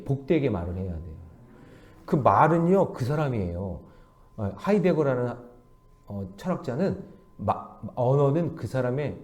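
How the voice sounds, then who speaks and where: Animated male pastor preaching. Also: mid-range voice. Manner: animated, questions the congregation; leads the congregation in reading verses aloud. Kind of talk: early morning sermon.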